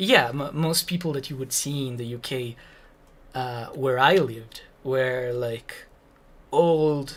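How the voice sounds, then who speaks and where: A man speaks in a medium pitch with ordinary pitch variation and big swings in loudness. His pace is very slow, with long, frequent pauses. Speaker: streamer. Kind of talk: livestream Q&A. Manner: halting, many fillers.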